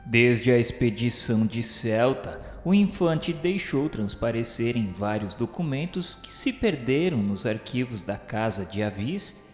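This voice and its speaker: A man with a Brazilian accent narrates a radio drama in a solemn, measured way. His medium-pitched voice carries formal, literary phrasing. It rings with heavy echo, and music plays behind him. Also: animated. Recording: echoey hall-like reverb with music.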